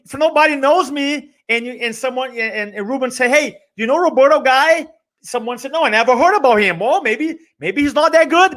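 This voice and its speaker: A man's voice: very high-pitched, fairly bright tone. A middle-aged man from Brazil with a Brazilian accent, talking conversationally and motivationally as a guest, with emphatic repetition and rhetorical questions. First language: Portuguese. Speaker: guest, speaker trainer and business owner.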